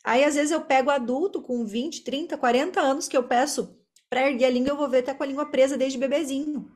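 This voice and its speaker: A woman's voice: sits high, fairly even intonation, brisk, darkish tone. A Brazilian woman speaking as an interview guest, a speech therapist explaining her work in a talkative, conversational way. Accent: Brazilian Portuguese.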